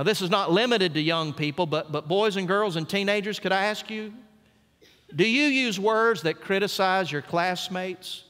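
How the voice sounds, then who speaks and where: Male pastor, middle-aged, sermon, high voice, folksy storytelling, long reverb. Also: fairly bright tone. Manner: folksy storytelling, emphatic pauses on key words. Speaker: senior pastor. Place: church sanctuary.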